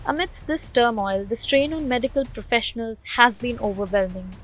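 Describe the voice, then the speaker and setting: A woman's voice: fairly high pitch, lively intonation, moderate pace, poor audio. A woman reading a scripted news voice-over as the narrator of a report. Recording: background music under voice-over. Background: music bed.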